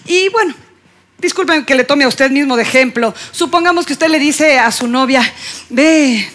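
A woman's voice: sits high, normal speed, fairly bright tone. A woman with an Ecuadorian accent doing a stand-up comedy monologue, playful and teasing the audience. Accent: Ecuadorian Spanish.

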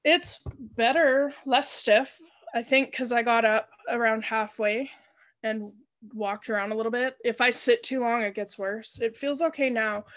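A woman on a video call with a voice a little higher than most, casual and a bit unsure. She speaks hesitantly and echoes back short phrases. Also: fairly even intonation, unhurried. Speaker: coaching client.

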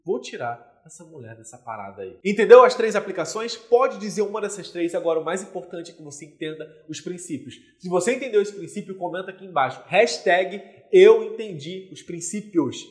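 A man's voice: sits high, fairly quick, hardly any pauses. A man coaching women on dating, talking to camera and acting out little scenes in quoted voices. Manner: animated, acts out short scenes with quoted voices. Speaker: relationship coach.

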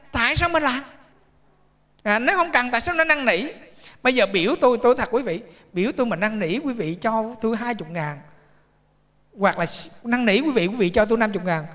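A man tells stories in a sermon, in a bright, forceful voice. He jokes and keeps asking his listeners questions. His voice rings with a long reverb through a large temple hall. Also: very high voice. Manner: chatty, joking, asks the audience questions. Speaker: Buddhist monk giving a dharma talk. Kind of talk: storytelling sermon.

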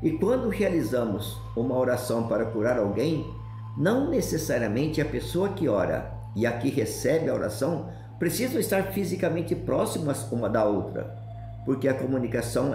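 A man with a mellow, middle-pitched voice speaking in a calm, measured way. The room echoes around him, and soft music plays behind. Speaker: religious speaker. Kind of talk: recorded testimony.

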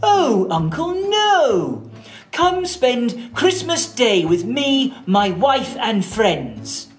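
A woman voicing a cheerful, kind-hearted nephew with a warm, entreating manner in a children's puppet show. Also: fairly high pitch, very animated, very slow, soft background music, heavily acted. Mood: pleading.

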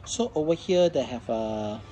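Mellow-voiced man, halting Southeast Asian demo. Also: mid-range voice, expressive, slight background noise. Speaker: product demonstrator. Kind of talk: unscripted hands-on product demonstration. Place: indoors at a tabletop, faint background noise.

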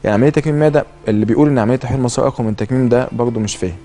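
A man's voice: medium pitch, very fast, dark tone, soft background music. A man in his thirties with an Egyptian Arabic accent, explaining as an expert guest and dropping in English terms. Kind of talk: explanatory interview talk. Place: TV studio, seated. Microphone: lapel mic.

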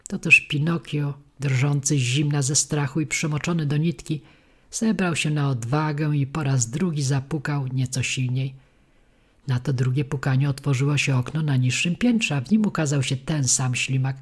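Female storybook reader, husky tone, expressive and vivid. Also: deep voice, moderate pace. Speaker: audiobook reader. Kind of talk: storybook narration.

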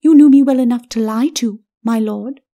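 A woman's voice: a little high, moderate pace, dark tone, lightly acted. Woman voicing a scornful skeleton lady, faint and far off. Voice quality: faint, distant, breathy. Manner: scornful, icy retorts. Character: ghostly skeleton lady, cold and cutting.

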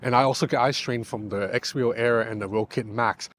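A man in his thirties, first language Cantonese, talks through a gadget review in a relaxed, explanatory way. He is recorded outdoors in a park on a clip-on lapel mic, with a mid-range voice. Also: medium pitch, a little fast, a little hiss or hum. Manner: conversational, explanatory, self-deprecating. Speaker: tech reviewer.

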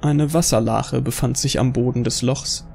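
A man narrating a dark audio drama from a script, as the storyteller. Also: mid-range voice, steady tone, normal speed, vocal fry, soft background music.

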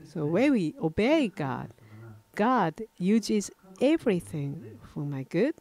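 Slow, halting older Japanese pastor. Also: male voice, high-pitched, sing-song, darkish tone. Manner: halting, frequent self-corrections and restarts. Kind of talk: sermon. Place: church platform at a wooden lectern, indoors.

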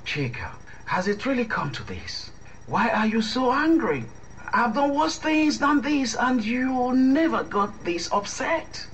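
A man's voice: very high-pitched, sing-song, unhurried, fairly bright tone, muffled recording, a little hiss or hum, full character voice. A man playing a defensive, sarcastic young boyfriend in a radio drama, with an argumentative manner. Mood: pleading. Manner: indignant, sarcastic.

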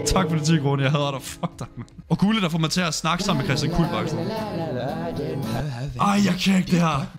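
A man streaming live, talking excitably to his viewers, swearing often and sounding overwhelmed. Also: on the high side.

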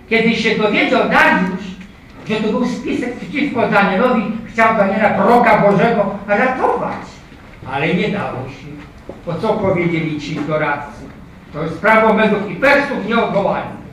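A man's voice: high-pitched, a bit bright, a little hiss or hum. An older man preaching a sermon, addressing listeners as "kochani moi", reading Bible verses aloud and asking the congregation rhetorical questions. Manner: asks the congregation rhetorical questions, frequent "prawda?" and "tak?". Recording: echoey hall, distant mic, faint ambience.

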